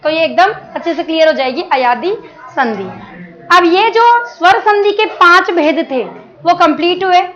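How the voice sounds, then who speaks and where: A woman with a Rajasthani Hindi accent teaches a grammar class in a very high, bright, forceful voice. She explains step by step, tosses questions to the class and then answers them herself. English words slip in among the Hindi. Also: normal speed, lo-fi sound. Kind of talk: classroom lesson.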